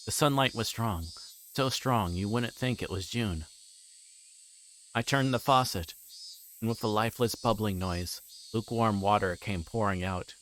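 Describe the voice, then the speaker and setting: Male game streamer, lower-pitched voice, alternates read-aloud narration with loose, halting casual chat. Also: fairly bright tone, slight background noise, low-quality recording. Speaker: livestreamer. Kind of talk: reading a visual novel aloud with casual chat to viewers.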